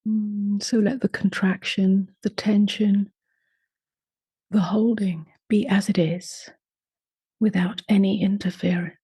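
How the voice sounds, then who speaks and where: Slow, breathy woman guiding meditation. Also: medium pitch, little pitch movement, dry recording. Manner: soft, slow, often breathy and half-whispered. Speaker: meditation teacher. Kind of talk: guided meditation.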